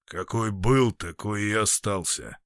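A man doing a gruff condescending host. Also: fairly low pitch, unhurried, fairly bright tone, no echo, clean studio sound. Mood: heavy.

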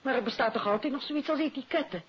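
A muffled old radio recording of a prim headmistress. Her voice is very husky and mid-pitched, formal and easily affronted, in vintage mystery-serial style. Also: fast. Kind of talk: 1950s radio detective drama acting.

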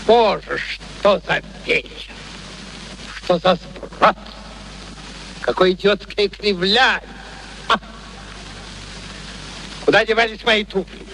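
An actor playing an arrogant, irascible gentleman, haughty and blustering, in a classic radio play. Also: high-pitched, slow pace, gravelly, long pauses, a little hiss or hum, heavily acted, rough recording. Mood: irritated, scornful. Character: arrogant, irascible gentleman bully, scornful and imperious.

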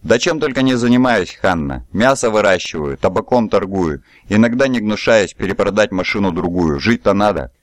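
A man voicing a calm, self-assured stranger who speaks in an easy, disarming way in an audiobook. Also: lowish voice, moderate pace, hardly any pauses, no echo, lightly acted.

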